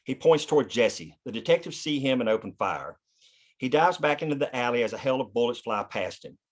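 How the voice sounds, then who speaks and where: A man's voice: medium pitch, expressive, fairly quick. A man narrating scripted action and scene headings at a screenplay table read. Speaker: narrator reading stage directions.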